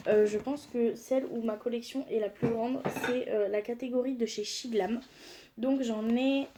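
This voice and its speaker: A woman's voice: fairly high pitch, dark tone, slight background noise. Chatty young woman reviewing makeup. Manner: chatty, enthusiastic, frequent "euh" fillers. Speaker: beauty vlogger.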